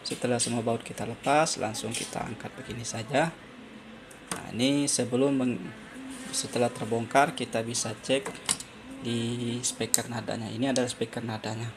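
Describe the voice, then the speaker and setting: A man giving an informal hands-on phone repair tutorial as host, halting and pausing often as he explains. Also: mid-range voice, fairly even intonation. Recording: clearly noisy amateur recording.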